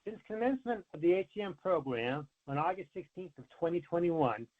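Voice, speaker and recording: A man, a company finance executive, reading prepared earnings remarks in a formal, measured way over a conference call line. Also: fairly high pitch, lively intonation. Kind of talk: scripted earnings call presentation. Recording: narrow, tinny conference phone line.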